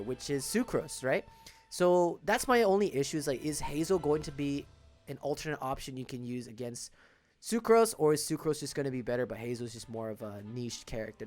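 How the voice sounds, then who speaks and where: A man giving casual, informal commentary on a video game as a content creator, often stressing his words. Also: medium pitch. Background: background music.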